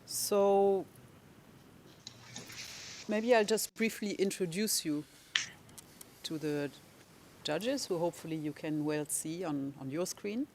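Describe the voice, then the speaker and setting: A lawyer for victims in a courtroom, speaking slowly and deliberately while explaining procedure and questioning a witness. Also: mid-range voice, animated, darkish tone, slight background noise. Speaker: legal representative of victims.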